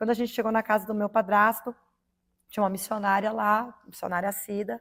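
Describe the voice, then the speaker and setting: A woman talks at a fairly quick pace. Her tone is animated. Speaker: missionary giving testimony. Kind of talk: testimony.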